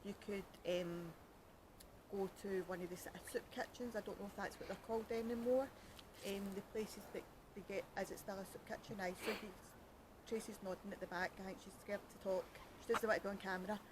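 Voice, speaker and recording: Her fingers freezing in the night cold beside a canal, a Scottish podcast host with a Glaswegian accent rambles and jokes at her own expense in a casual chat. She speaks fairly quickly in a steady, medium-pitched voice over background noise.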